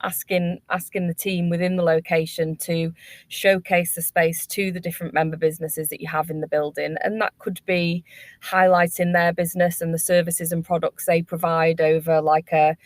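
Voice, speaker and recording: A woman speaking as a workspace panelist in a webinar, explaining things in measured, business-like phrasing. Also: on the low side, level tone, dry recording.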